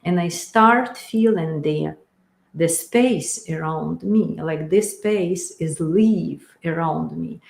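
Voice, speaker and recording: Slow, gravelly-voiced woman in an echoey room. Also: fairly low pitch. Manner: slow, calm, pausing often with fillers. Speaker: spiritual teacher. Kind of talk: guided meditation talk. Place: room in a house. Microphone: webcam or phone camera.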